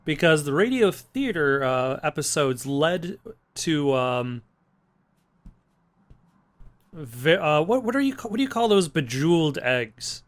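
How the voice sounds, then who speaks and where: A man's voice: a little high, sing-song, moderate pace. A man hosting a game playthrough, commenting casually with hesitant, rambling asides. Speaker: let's play host.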